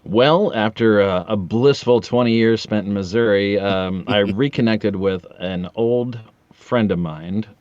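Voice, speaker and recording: A man's voice: on the low side, unhurried, darkish tone, dry recording, muffled recording. A middle-aged man casually telling comic stories as a guest, with sardonic, self-deprecating jokes. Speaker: podcast guest, audio drama actor.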